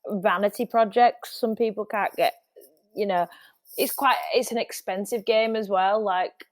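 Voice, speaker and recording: A woman's voice: mid-range voice, fairly even intonation, unhurried, no room sound, poor audio. A middle-aged woman, a music industry guest, chatting casually in an interview with frequent restarts. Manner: chatty, restarts often, laughs easily.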